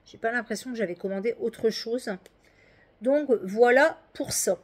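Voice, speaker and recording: A middle-aged woman chatting casually in a home vlog, rambling with many hesitations. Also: on the high side. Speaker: vlogger. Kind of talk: casual daily vlog chat. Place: at home indoors.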